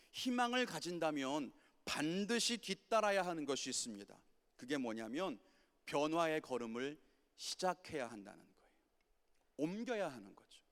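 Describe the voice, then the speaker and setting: A man preaches a sermon with passion, his voice sitting a little high for a man. He moves between loud urging commands and soft, low asides. The sound carries the long reverb of a church sanctuary. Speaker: pastor.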